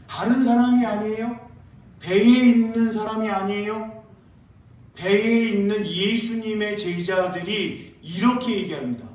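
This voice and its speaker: High-voiced pastor preaching in an echoey church. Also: male voice. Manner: lively, asks the congregation questions and answers them himself; reads scripture slowly. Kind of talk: sermon. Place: church sanctuary. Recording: very echoey church, heard from a distance.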